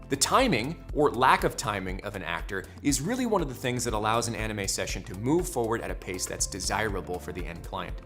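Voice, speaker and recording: Man, medium pitch, scripted tutorial delivery, emphatic, wry asides, explanatory, music behind. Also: fairly bright tone. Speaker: voice actor teaching anime dubbing.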